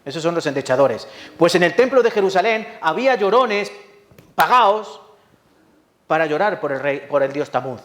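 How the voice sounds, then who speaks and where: A man's voice: a little high, lively intonation, brisk. A man preaching a sermon with a Spanish accent from Spain, telling stories dramatically with rhetorical questions and acted-out sounds. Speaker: pastor. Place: church hall.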